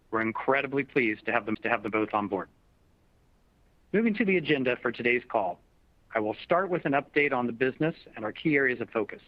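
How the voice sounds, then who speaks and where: A man speaking as a chief executive, giving a prepared earnings presentation in a formal, measured corporate style. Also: medium pitch, dry recording. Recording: dull, dry conference call audio.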